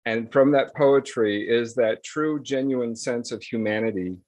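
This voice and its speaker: A man speaking over a group video call as a guest from a nonprofit, giving earnest and reflective acceptance remarks with gentle laughs. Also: mid-range voice, measured pace, dry recording. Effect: heard over a group video call. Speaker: guest from a nonprofit receiving a proclamation. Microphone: computer mic on a video call.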